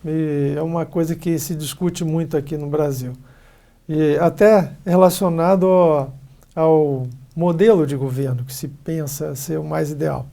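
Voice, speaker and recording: A TV interview host with a gravelly, dark, mellow voice. The host asks measured questions and often adds soft prompts to keep the guest talking. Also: mid-range voice, fairly even intonation.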